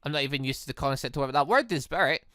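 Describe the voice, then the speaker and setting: A man's voice: on the high side, lively intonation, very fast, bright, forceful tone, no echo, clean studio sound. A man voicing a queasy, bewildered, self-deprecating young male stranger in a visual novel. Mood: wry, puzzled. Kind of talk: reading a visual novel aloud.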